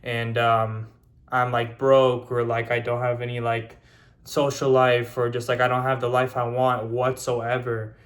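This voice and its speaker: A man's voice: mid-range voice, flat delivery, a little slow. A young man in his early twenties speaks straight to his camera with a mid-range voice. He rambles loosely and leans on fillers, restarting his sentences as he goes. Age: 20s. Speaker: YouTuber. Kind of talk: casual vlog monologue.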